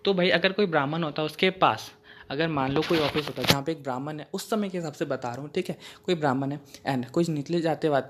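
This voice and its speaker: A man's voice: fairly high pitch, fast talker, very noisy. A man tutoring through a course lesson in a casual, conversational way, using everyday examples and often asking "right?" to check that listeners follow.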